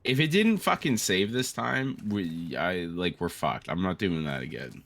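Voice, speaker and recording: A man with a very low voice hosts a casual gaming show. His delivery swings expressively up and down as he rambles along, swearing freely in friendly banter. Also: big pitch swings, measured pace, fairly bright tone. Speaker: co-host of a let's-play show.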